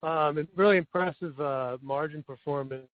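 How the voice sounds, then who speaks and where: A man calling in as an analyst, asking halting questions with fillers over a bad phone connection that keeps breaking up. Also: a little high. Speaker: analyst caller on an earnings call. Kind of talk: questions on a conference call. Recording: dry, tinny phone line.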